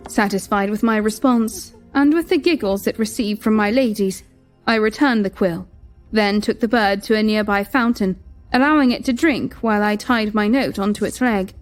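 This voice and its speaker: A young woman narrating in first person as a queen, measured and reflective. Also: medium pitch. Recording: music bed behind.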